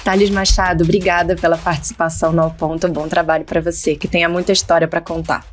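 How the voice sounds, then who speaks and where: A woman's voice: fairly low pitch, little pitch movement, quick pace, soft background music. A Brazilian woman hosting a podcast, asking her guests questions conversationally. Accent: Brazilian Portuguese. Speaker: podcast host. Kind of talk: podcast interview.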